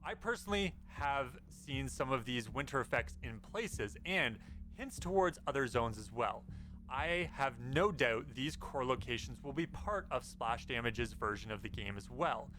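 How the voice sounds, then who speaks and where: A gaming news YouTuber narrates over his footage in an informal commentary, his medium-pitched voice animated, a bit bright and a little slow, with background music playing.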